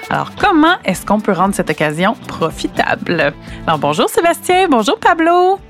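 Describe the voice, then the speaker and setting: A woman's voice: a little high, sing-song, normal speed, faint music behind. A woman with a Quebec French accent hosting a podcast in a conversational style. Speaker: podcast host.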